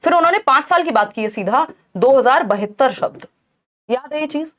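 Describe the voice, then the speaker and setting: Young woman teacher, high voice, explanatory lecture style with frequent check-ins. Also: expressive, brisk. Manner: explanatory, checks in with students often. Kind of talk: exam-prep lecture.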